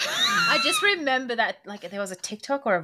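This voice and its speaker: A woman with an Australian accent, high-pitched, at a moderate pace, with very wide pitch swings. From Western Sydney.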